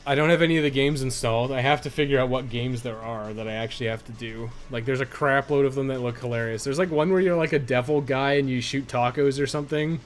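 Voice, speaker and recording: A man's voice: medium pitch, steady tone, fast talker, few pauses. A Canadian man chatting casually and irreverently on a video game live stream, rambling and swearing freely.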